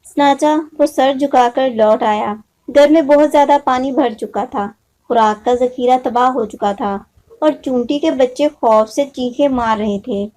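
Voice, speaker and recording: A woman's voice: high-pitched, a little slow, darkish tone, low-quality recording. A woman storyteller reading a scripted moral story for children.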